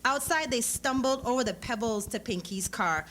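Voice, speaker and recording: A woman's voice: a little high, animated, normal speed, fairly bright tone. A woman reading literary fiction aloud dramatically at a live event. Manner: acts out dialogue in character voices. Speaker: author reading a story. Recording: clearly noisy live event recording.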